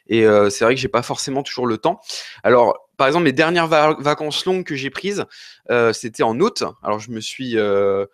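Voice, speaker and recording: A French man hosts a live Q&A stream, answering viewer questions in a rambling, hesitant, apologetic way; he's a little ill and coughs occasionally. His mid-range voice has lively intonation at normal speed, recorded clean in a studio with no room sound.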